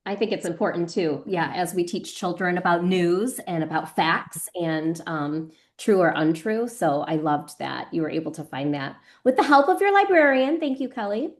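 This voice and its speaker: Lively-voiced woman moderator. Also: lowish voice, normal speed, few pauses. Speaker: host and moderator. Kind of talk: moderating a book event.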